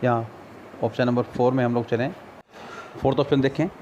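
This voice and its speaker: A man with an Indian accent, a Hindi speaker, tutoring for an English exam over a screen recording, patiently explaining and reading English sentences slowly. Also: medium pitch, fairly even intonation, a little mellow, lo-fi sound, a little hiss or hum. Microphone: screen recorder mic.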